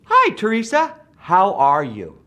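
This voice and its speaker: A male teacher from the United States leading an English class, speaking slowly and deliberately and repeating words for his students. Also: high voice, huge pitch swings, pushed and bright, dull audio. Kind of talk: slow classroom drill.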